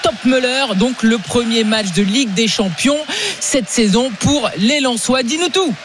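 A woman's voice: fairly high pitch, a little slow, noisy background. A woman hosting a live football broadcast, addressing her co-presenters and correspondents. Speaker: radio sports show host.

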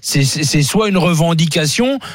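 A man's voice: a little high, lively intonation, moderate pace, dry recording, clean studio sound. A man on a radio panel, cutting in to argue his point. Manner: interjecting, argumentative. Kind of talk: studio talk radio.

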